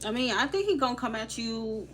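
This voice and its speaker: A woman's voice: a little high, animated, a little fast, a bit bright, a little hiss or hum. A young woman with a Haitian accent, giving live tarot readings in a casual, slangy, chatty way and laughing easily. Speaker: tarot reader.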